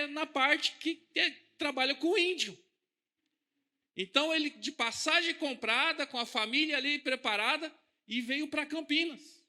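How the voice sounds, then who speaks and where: A man with a Brazilian Portuguese accent preaching a sermon in a church. He talks in a conversational way, asks the congregation questions and swings between soft and loud. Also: extremely high pitch. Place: church hall.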